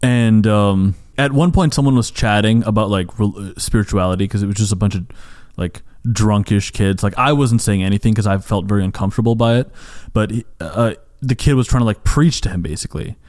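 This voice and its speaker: A young man from the United States hosts a casual podcast conversation in a somewhat low voice. He rambles loosely, filling his talk with "like" and restarting his thoughts as he goes. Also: fairly quick, a little mellow. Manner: rambling, heavy use of "like", frequent restarts. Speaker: podcast host.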